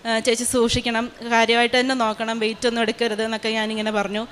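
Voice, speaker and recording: A young woman tells her personal testimony. She talks quickly in a slightly high voice. Her delivery is earnest and full of fillers and restarts. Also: flat delivery, fairly bright tone, a little hiss or hum. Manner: earnest storytelling with many fillers. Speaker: testimony giver.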